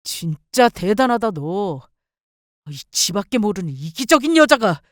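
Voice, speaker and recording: A woman's voice: mid-range voice, big pitch swings, measured pace, no echo, clean studio sound, voice pushed down. Woman doing a selfish blaming husband. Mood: contemptuous. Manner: blaming, indignant shouting. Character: selfish angry young husband, man.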